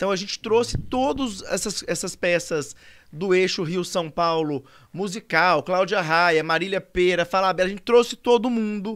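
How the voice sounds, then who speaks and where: A man talks at a fairly slow pace in a high pitch. The background is quiet. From Minas Gerais, Brazil. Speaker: podcast guest, talent manager. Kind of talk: casual interview conversation. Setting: studio, live-streamed podcast. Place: studio. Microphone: studio mic.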